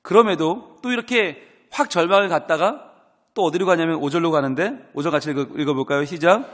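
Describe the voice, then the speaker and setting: A male pastor preaching at an early-morning prayer service. He acts out pleading prayers and swings from soft to loud, often asking the congregation questions. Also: a little high, brisk. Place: church sanctuary. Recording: long reverb of a church hall.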